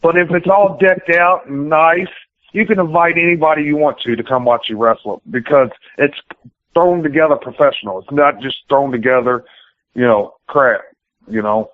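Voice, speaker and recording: A pro wrestler rambles through a casual interview in plain, colloquial, sometimes profane language. His voice is fairly high and he speaks at normal speed, with a dry recording that sounds tinny, like phone-style radio interview audio.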